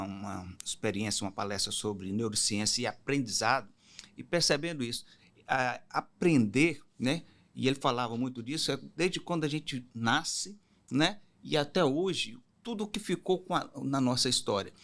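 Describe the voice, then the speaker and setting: A man's voice: medium pitch, a bit bright. A man in his fifties from Goiás, a teacher answering as a podcast guest, reflective and searching for words. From Goiás, Brazil. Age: 50s. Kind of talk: casual interview chat.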